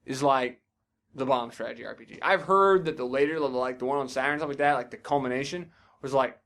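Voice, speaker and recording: A man's voice: mid-range voice, fast, fairly bright tone. A man co-hosting a podcast, chatting casually about games in a rambling, enthusiastic and profane way. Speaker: podcast co-host. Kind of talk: casual gaming chat.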